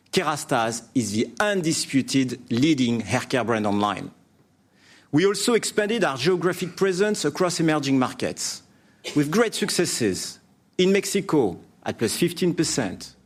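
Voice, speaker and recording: A man delivering a formal, prepared business presentation as a company executive, in measured scripted phrases. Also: medium pitch. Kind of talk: prepared earnings presentation speech.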